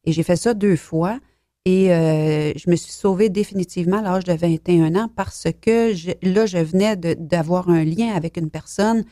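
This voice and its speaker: A woman from Belgium speaks softly and haltingly, often trailing off into a near whisper. Her voice is fairly low and mellow. The recording is dry and close. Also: no echo. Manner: soft-spoken, hesitant, drops to near whisper. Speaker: author guest. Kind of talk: personal testimony in an interview.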